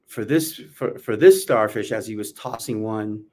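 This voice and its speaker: A man's voice: lowish voice, moderate pace, mellow. A middle-aged man from New York, born in Jamaica, talking casually and reflectively as an interview guest. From born in Jamaica, raised in New York from age four. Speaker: interview guest, former news anchor.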